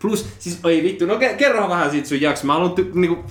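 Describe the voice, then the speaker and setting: A man with a slightly high voice mocks his topic freely, swearing and laughing as he goes. He talks in a loose, casual podcast chat. The room around him gives a noticeable echo. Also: expressive, a bit bright. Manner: mocking, profane, laughs often. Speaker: podcast co-host. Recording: roomy echo.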